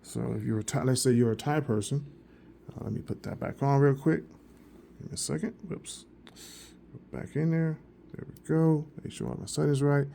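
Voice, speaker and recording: A man's voice: mid-range voice, steady tone, normal speed, gravelly, pauses often, dark tone, a little hiss or hum. Guy rambling thru a phone demo, keeps restarting, really pushing viewers to buy it. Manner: rambling and repetitive, with frequent restarts; earnest, directly urging viewers. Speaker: vlogger reviewing a phone. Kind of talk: casual product demo.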